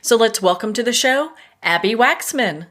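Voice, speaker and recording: A woman's voice: fairly high pitch, animated, moderate pace, a bit bright. A woman hosting a talk show, introducing and interviewing a guest in an upbeat manner and laughing easily.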